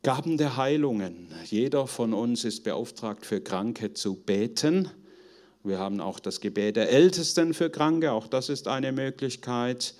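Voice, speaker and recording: A middle-aged man teaching a group in an informal sermon, earnest and conversational, often halting as he searches for words. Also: medium pitch, a little mellow. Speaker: preacher teaching on spiritual gifts.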